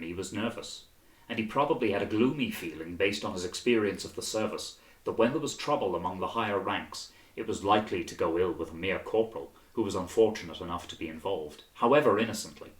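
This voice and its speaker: Low-voiced male narrator, roomy sound. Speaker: audiobook narrator. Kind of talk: scripted storybook narration.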